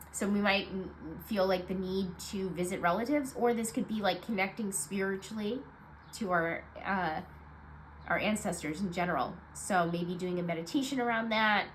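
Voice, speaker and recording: A woman with a stuffed-up, nasal voice giving a casual weekly card reading, low on energy and rambling with many fillers. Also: a little hiss or hum, rough recording. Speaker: tarot card reader.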